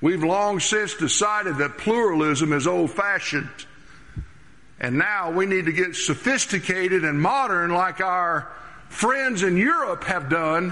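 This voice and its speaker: Audible room echo surrounds a man speaking at high pitch. His loudness stays very even, with ordinary pitch variation. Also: fairly slow pace. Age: 60s. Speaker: pastor. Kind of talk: sermon.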